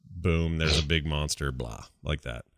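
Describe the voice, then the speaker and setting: A man's voice: rumbling low, a little slow, no room sound, studio quality. A man hosting a gaming podcast, talking casually and rambling through informal asides. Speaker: podcast host.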